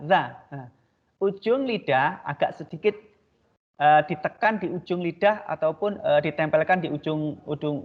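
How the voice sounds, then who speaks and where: Male teacher, slightly high voice, patient drilling of sounds; muffled lo-fi recording. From Indonesia. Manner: patient, repeats and drills Arabic sounds slowly. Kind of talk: online tajwid lesson. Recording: dull lo-fi recording.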